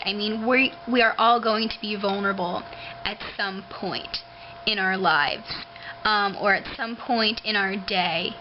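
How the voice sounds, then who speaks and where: A woman vlogger talking casually and haltingly to her webcam, with drawn-out, hissing s sounds like a lisp. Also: mid-range voice. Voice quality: lisping, hissy drawn-out s sounds. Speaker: video blogger. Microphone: webcam microphone. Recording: noisy dull webcam audio, hissing sibilance.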